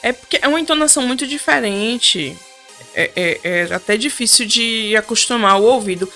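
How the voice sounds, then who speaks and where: A woman's voice: fairly high pitch, animated, moderate pace, bright, forceful tone, faint music behind. A Brazilian woman guest on a podcast, giving short, frank opinions in casual chat. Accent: Brazilian Portuguese.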